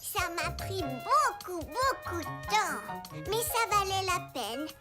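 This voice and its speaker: An eager preschool boy in a children's cartoon. The voice is very high and takes its time, full of simple, inquisitive phrasing. Music plays clearly behind it. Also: sing-song, slow, heavily acted. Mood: proud. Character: curious, eager little boy, preschool age.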